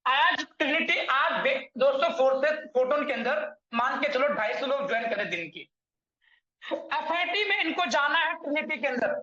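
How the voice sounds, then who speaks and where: A man with a very high-pitched, sharp voice walks viewers through an earning plan, calling them friends again and again and fixing his own numbers mid-explanation. The room echoes, and the sound is dull and lo-fi.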